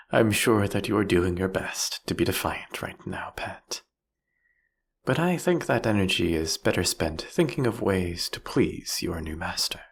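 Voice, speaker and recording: Possessive vampire king, husky and breathy, slow menacing drawl, mocking, seductive, intimate audio drama. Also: exaggerated voice. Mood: gloating tenderness. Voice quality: husky, breathy, gravelly low voice. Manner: slow, whispery, taunting, drawn-out delivery. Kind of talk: intimate audio roleplay acting.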